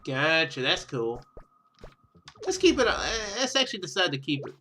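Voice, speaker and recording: A man doing casual let's play commentary, reading game text aloud and rambling as he thinks out loud. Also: fairly high pitch, very animated, moderate pace, slight background noise. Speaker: gaming video host.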